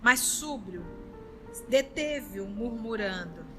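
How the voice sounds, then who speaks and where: A woman leading a study group, chatting warmly and then reading a novel aloud. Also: on the high side, slow pace, music in the background. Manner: warm, chatty and lively between passages.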